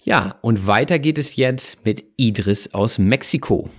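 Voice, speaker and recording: A man's voice: fairly low pitch, animated, unhurried. A man from northern Germany hosting a language-learning podcast, commenting on listener messages in a friendly, reflective way with frequent fillers. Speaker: podcast host.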